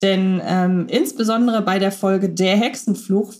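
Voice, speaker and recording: A woman's voice: medium pitch, fairly even intonation, measured pace, darkish tone. A woman co-hosting a podcast, talking in a chatty, thoughtful way while unwell. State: ill, recovering. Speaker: podcast co-host. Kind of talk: casual chat.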